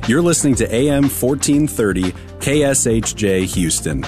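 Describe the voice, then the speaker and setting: A man's voice: medium pitch, lively intonation, moderate pace. A man reading a friendly station identification for a church radio network, heard as an AM radio broadcast. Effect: AM radio broadcast sound. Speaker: parishioner giving a station ID. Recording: distant voice over clear music.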